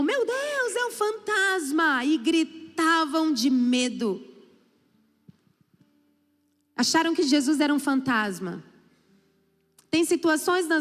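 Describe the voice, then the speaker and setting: Pastora fervorosa de voz aguda. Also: female voice, high-pitched. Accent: Brazilian Portuguese. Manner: storytelling, acts out dialogue, rising to fervent exclamations. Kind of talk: sermon. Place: church hall. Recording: church PA with long reverb and faint music.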